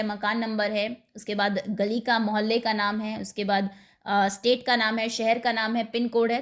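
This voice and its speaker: A woman teacher slowly explaining a worksheet to young pupils, dictating answers word by word. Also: a little high, fairly bright tone. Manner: slow, patient, dictates words one at a time. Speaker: school teacher.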